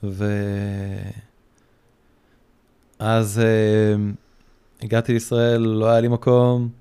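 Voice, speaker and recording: A man in his thirties or forties, a podcast guest, talking casually and haltingly with many restarts. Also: lowish voice, completely flat delivery, warm tone, clear, resonant tone. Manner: hesitant, many restarts and fillers. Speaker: guest, surfboard repairer.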